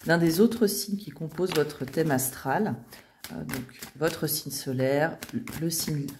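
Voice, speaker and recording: A woman's voice: low voice, slow pace, darkish tone, a little hiss or hum. A woman giving a chatty tarot reading, with many fillers and restarts. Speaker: tarot reader. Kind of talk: casual tarot reading video.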